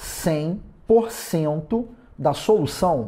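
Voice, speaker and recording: A man speaks in a high voice, his pitch swinging very widely up and down. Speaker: chemistry teacher. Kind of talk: lecture.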